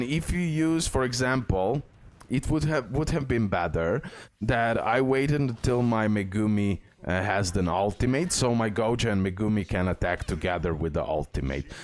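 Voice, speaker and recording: A man giving casual video game tutorial commentary as a guide host, with non-native English phrasing and a habit of repeating himself. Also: lowish voice.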